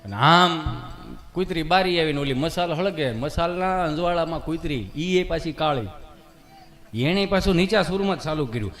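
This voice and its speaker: High-voiced man telling village jokes. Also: brisk. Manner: animated storyteller acting out villagers in shifting voices. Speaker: comedian. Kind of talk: live folk joke storytelling.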